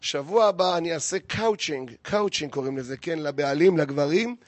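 High-voiced rabbi preaching with jokes. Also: male voice, no echo. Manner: lively and joking, firing rhetorical questions at the audience. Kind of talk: humorous sermon to a live congregation.

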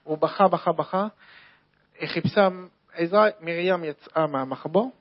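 Man, sermon storytelling, somewhat high voice, dull lo-fi recording, repetitive emphasis. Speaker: religious storyteller.

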